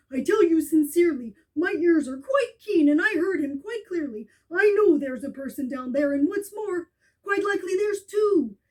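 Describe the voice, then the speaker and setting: Woman doing a storybook elephant, male, earnest, protective, firm, high voice. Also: darkish tone, poor audio. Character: kind, loyal male elephant.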